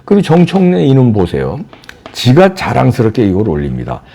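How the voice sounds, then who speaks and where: Guy ranting solo political commentary, mocking, lots of rhetorical questions, dark voice. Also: medium pitch, huge pitch swings, fairly quick, creaky. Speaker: political commentary channel host.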